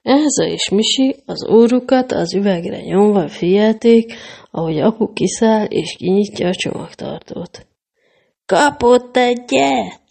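A woman reading a children's story aloud in an expressive, animated way. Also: mid-range voice, creaky, breathy edge.

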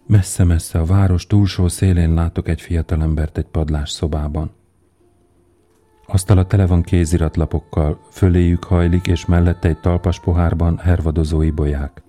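A man narrating a fairy tale in a calm, measured storytelling way. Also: deep voice.

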